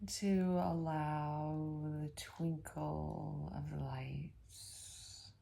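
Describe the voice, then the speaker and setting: A woman leading an ASMR guided meditation in a soft, gentle, unhurried voice that slips toward a whisper, with long pauses. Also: low voice, level tone, vocal fry.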